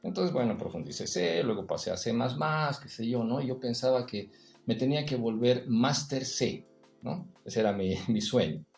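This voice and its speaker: A man's voice: medium pitch, animated, moderate pace, vocal fry, echoey room, faint music behind. A man, a podcast guest, talking reflectively in a casual interview, telling personal stories and often adding "eh" and a tag question. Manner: reflective, storytelling, frequent "eh" and tag "¿no?".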